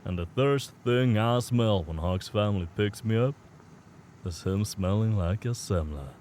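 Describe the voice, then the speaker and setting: Protective Swedish-accented werewolf male actor, easygoing and low-pitched, audio drama with faint ambience. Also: a little slow, a little mellow, a little hiss or hum, close to an everyday voice. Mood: warm, reassuring. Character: protective, good-natured Swedish alpha werewolf's mate. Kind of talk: scripted audio drama acting.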